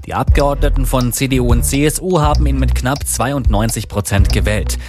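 A man reading the radio news in a formal, even manner. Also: mid-range voice, normal speed, music in the background. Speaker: newsreader.

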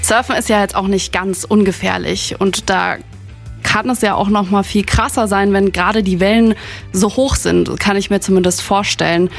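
A woman's voice: mid-range voice, fairly even intonation, normal speed, gravelly, faint music behind. A woman from Franconia hosting a radio interview, asking questions in a friendly, encouraging way with frequent affirmations. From Germany (Franconia, Nuremberg). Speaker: radio host.

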